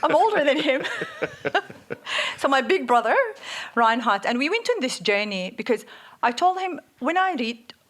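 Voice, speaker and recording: A woman with an Arabic accent, co-hosting a live podcast on stage, speaking in an energetic, outspoken way and laughing often. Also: high voice, moderate pace. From Saudi Arabia. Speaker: podcast co-host. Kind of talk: live podcast panel talk.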